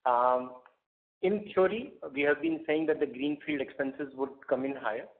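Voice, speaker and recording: A man, a finance executive, giving unscripted earnings call answers in a halting, piece by piece way. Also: mid-range voice. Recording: narrow phone conference line.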